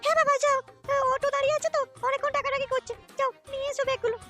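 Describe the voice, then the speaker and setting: High-voiced weary cartoon daughter, as a woman plays her. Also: level tone, rapid-fire, a bit bright, faint music behind. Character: young married daughter, weary and dutiful. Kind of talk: cartoon voice acting.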